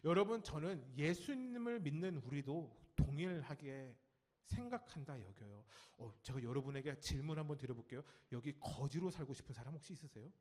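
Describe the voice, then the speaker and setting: A Korean pastor preaches briskly on a Sunday in the church sanctuary, speaking right to the congregation and the kids. He tells animated stories, mimics nagging grown-ups, and lets the ends of his sentences fade soft and low.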